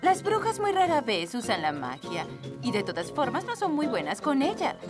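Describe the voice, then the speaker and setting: A know-it-all fairy nanny from a children's cartoon. The Latin American voice is fairly high and sweeps widely in pitch, delivering blunt, dismissive pronouncements with great emphasis. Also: female voice, huge pitch swings, moderate pace, over loud music. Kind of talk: dubbed children's cartoon acting.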